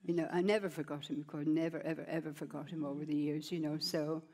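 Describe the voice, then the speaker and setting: A woman's voice: low voice, little pitch movement, quick pace, darkish tone. An older woman talking on a stage through a headset mic. She tells her story plainly and rambles a little, with lots of "you know" as she goes. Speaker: interview guest. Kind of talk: onstage conversation, personal story. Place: stage at a large gala, indoors.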